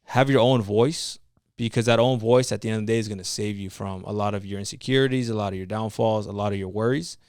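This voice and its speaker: A man's voice: on the low side, quick pace, darkish tone, clear, resonant tone, no echo, clean studio sound. A young man with a Latino American English accent, a nurse turned entrepreneur, talking in a casual podcast chat in an earnest, motivational way. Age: young adult. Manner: earnest, motivational, with slang and restarts.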